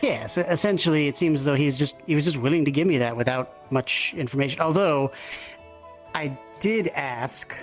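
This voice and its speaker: A man's voice: a little high, moderate pace, faint music behind. A man improvising in-character fantasy roleplay conversation, speaking politely and thoughtfully with some hesitation. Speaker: roleplay player. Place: online virtual reality session.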